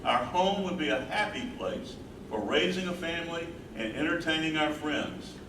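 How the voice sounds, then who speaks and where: A man's voice: on the high side, animated, normal speed, lightly acted. A man in a staged play reading, playing an earnest, devoted young man courting his sweetheart with theatrical delivery. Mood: earnest, persuasive. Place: live staged reading in a room. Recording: echoey room, distant mic, noisy.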